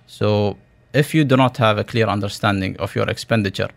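A man from the United Arab Emirates giving a radio interview as a startup founder, pitching in tech jargon with halting, repeated words. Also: creaky.

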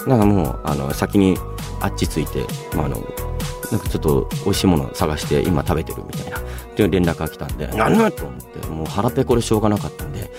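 A man hosting a radio show, chatting and reading listener mail in a polite, expressive manner. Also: low-pitched, quick pace. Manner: polite, expressive, often breaking into laughter. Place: radio studio. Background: background music.

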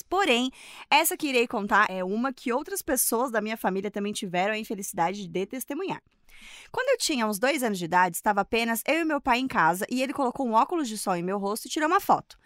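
A woman co-hosting a podcast, excitable and nervously giggly, chatting and reading a listener's story aloud. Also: a little high, quick pace, no room sound, clean studio sound. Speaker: podcast guest co-host.

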